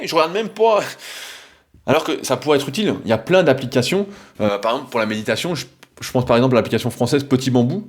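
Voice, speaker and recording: A man hosting a solo podcast, talking in a rambling, hesitant way with many fillers and restarts. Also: medium pitch. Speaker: podcast host.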